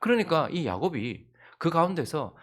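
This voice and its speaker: A male pastor preaching an early-morning sermon. He swings between loud emphasis and hushed asides. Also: a little high, very animated, moderate pace.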